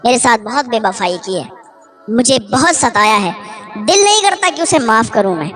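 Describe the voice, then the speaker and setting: A woman preacher playing a bitter widower who refuses to forgive his late wife. He sounds gruff and resentful, and faint music runs under the storytelling. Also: a little high, very animated, fairly bright tone. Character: grieving, resentful husband, adult man.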